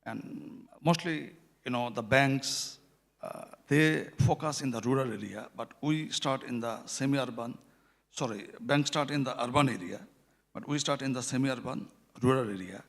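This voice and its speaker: A man's voice: medium pitch, moderate pace, vocal fry. A man, speaking on a conference panel about microfinance, explaining earnestly with many hesitations and fillers. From Bangladesh. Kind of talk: panel discussion.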